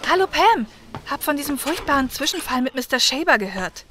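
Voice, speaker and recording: A woman acts as a concerned, inquisitive colleague in a radio play. Her voice is high and bright, with faint background noise. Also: big pitch swings, brisk, heavily acted. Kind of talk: audio drama acting.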